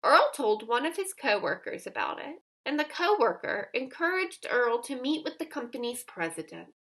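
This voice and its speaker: A woman reading a children's picture book aloud as an expressive, emphatic storyteller with dramatic pauses. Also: a little high. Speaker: storybook reader.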